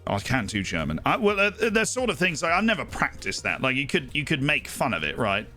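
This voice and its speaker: Bright-voiced man. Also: mid-range voice, huge pitch swings, fast, faint music behind. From Florida, United States. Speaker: live streamer. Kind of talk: casual chat answering viewers' comments.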